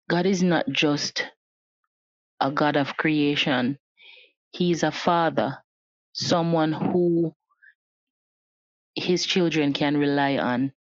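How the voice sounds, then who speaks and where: A woman sharing a faith testimony in a thoughtful, measured way. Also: low-pitched, no echo, lo-fi sound. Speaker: church member giving a testimony.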